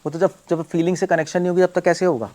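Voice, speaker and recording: A man's voice: high-pitched, steady tone, rapid-fire, dark tone. A man speaking as a monk, giving a devotional lecture to followers; emphatic, full of rhetorical questions, often mixing English words into his talk.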